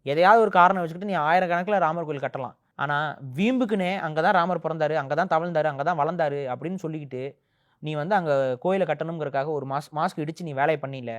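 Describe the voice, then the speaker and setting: A man's voice: a little high, quick pace. A man giving a heated opinion in an interview, speaking with indignant force that keeps rising into emphatic outbursts.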